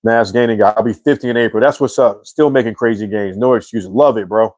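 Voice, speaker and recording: A man's voice: lowish voice, fast talker, no echo. A man in his forties hosting a casual live chat, reading viewer comments and answering in a slangy, easygoing way. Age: 40s. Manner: slangy and relaxed, says bro and man a lot.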